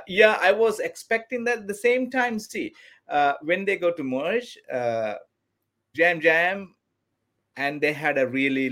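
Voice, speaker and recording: A man's voice: on the high side, fairly bright tone. Eager Sri man. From Sri Lanka. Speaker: podcast guest, former contestant. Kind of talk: casual interview answers.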